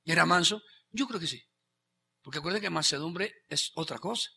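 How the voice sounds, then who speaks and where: A man pastor, preaching a sermon with animated bursts of shouting and quiet asides. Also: a little high, moderate pace, gravelly, slight background noise.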